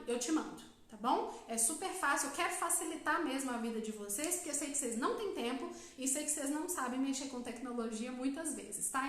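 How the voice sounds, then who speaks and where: A Brazilian woman, a psychologist, giving a live-stream talk and explaining step by step, often checking in with her listeners with a quick "tá?". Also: high-pitched, a bit bright, heavy reverb. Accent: Brazilian Portuguese. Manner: explanatory, frequent "tá?" check-ins, asks questions and answers them herself.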